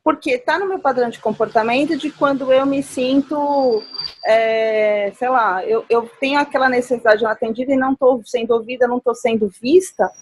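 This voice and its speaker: A woman speaking as a guest in a conversational talk, reflective and growing animated when she acts out examples. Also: fairly high pitch, normal speed, slight background noise. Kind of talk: conversational talk on nonviolent communication.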